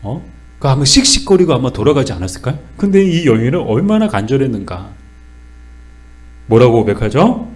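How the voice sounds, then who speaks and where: A man's voice: mid-range voice, very animated, a little fast. Man teaching a church Bible study. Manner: explains with questions and answers, acts out quoted lines.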